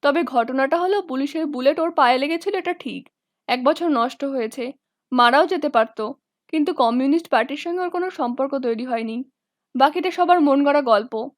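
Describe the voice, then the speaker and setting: A woman voicing a calm, plain-spoken male party worker in a storybook. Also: high voice, normal speed, no room sound, clean studio sound, lightly acted.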